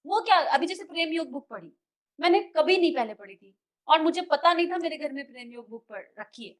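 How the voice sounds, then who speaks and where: A young woman leading a spiritual study group, telling stories in an animated way and mixing Hindi and English. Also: high-pitched, brisk. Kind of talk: casual group sharing.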